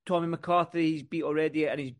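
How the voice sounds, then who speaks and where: A man's voice: a little high, steady tone, fast. A man from the UK co-hosting a boxing podcast, talking in a rambling, repetitive, casual way. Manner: rambling and repetitive, stacking up lists and restarts. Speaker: podcast co-host.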